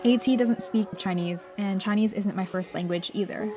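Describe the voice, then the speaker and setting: A woman narrates her vlog in a steady, reflective voice-over. Her pitch sits in the middle of the range, and she tells the story at an even, thoughtful pace. Clear music plays beneath her words. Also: normal speed. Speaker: vlogger and pottery student. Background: background music.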